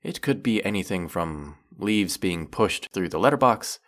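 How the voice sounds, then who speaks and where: A man's voice: sits low, animated, a little slow. A man playing a teasing, sarcastic, flirtatious male faerie in a scripted roleplay monologue, scolding the listener with dry, theatrical playfulness. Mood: indignant, explaining.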